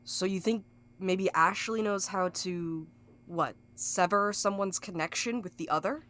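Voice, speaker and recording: A woman's voice: mid-range voice, a little slow, fairly bright tone, natural voice. A woman playing a blunt, sardonic courier with an impatient streak in an audio drama. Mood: urgent. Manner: blunt, sarcastic. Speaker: voice actor in a fiction podcast. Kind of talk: scripted audio drama acting.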